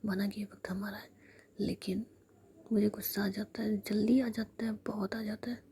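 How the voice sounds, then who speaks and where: A woman's voice: mid-range voice, flat delivery, moderate pace, mellow, slight background noise, close to an everyday voice. A woman whispering the lines of a short-tempered, irritable young woman, curt and grumbling. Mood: defensive.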